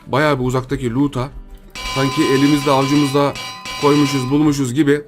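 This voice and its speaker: Young Turkish man, casual let's-play commentary, mid pitch, chatty, faint background music. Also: little pitch movement, brisk. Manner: chatty, addresses viewers as friends, thinks aloud while playing. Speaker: gaming YouTuber.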